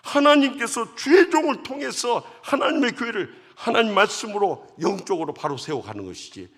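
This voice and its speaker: A man's voice: sits high, big pitch swings, normal speed, pitched above the performer's own voice, heavily acted. A man voicing God as a stern, thundering judge who rebukes a proud believer in a dream, heard with long church hall reverb. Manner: thundering rebuke, rising to shouts.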